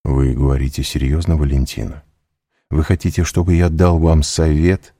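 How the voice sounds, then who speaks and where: A man's voice: extremely low pitch, steady tone, moderate pace, mellow, dry recording, clean studio sound. A man reading an audiobook, voicing a young man who presses his beloved with intense, urgent speech. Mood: tense. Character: passionate young man, determined suitor.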